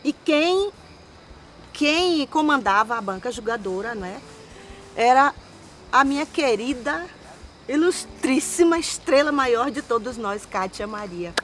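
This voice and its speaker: A woman's voice: high-pitched, slow pace, a little hiss or hum. A woman, telling stories of her singing career outdoors in a forest park. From Manaus, Brazil. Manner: animated, lively storyteller with hand gestures. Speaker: singer guest. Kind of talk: storytelling interview answers.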